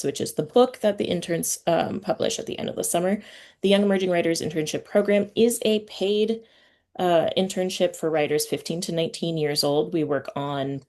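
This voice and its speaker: Low-voiced woman, casual podcast host. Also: creaky, a little mellow. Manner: informal, halting, slangy. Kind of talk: casual chatty interview and announcements.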